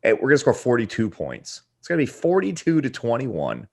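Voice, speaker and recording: Male podcast co-host, animated pitch, loose swearing banter. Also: a little fast, gravelly.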